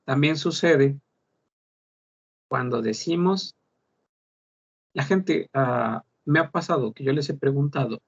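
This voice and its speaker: A man teaching a French class, slowly repeating words to model their pronunciation. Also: medium pitch, breathy edge. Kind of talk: online class lesson. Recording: dull lo-fi class recording.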